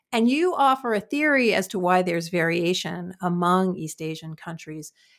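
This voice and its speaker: This woman has an unremarkable speaking voice at medium pitch, with lively intonation and a moderate pace. The recording is very clean, with a silent background. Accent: American. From New York City (Queens). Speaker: podcast host, professor. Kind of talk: interview.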